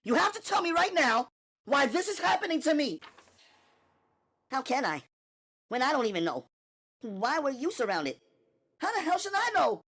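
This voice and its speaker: A man voicing a tough, streetwise young woman who speaks fast and emphatically, her pitch climbing as she talks. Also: very animated, fairly bright tone, exaggerated voice. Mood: frantic. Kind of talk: audiobook character voice.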